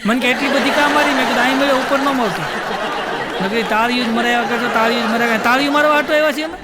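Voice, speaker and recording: A man's voice: extremely high pitch, very fast, big-room sound, a loud crowd, heavy background noise. A man rattling off a stand-up anecdote, repeating his punchlines. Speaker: stand-up comedian. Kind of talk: Gujarati stand-up storytelling.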